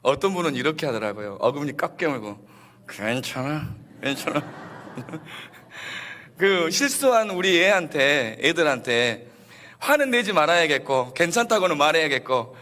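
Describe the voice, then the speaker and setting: A male pastor delivers a Sunday sermon with a slightly high, lively voice. He acts out each quoted line and swings his pitch widely. A long church reverb trails every phrase. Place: church sanctuary.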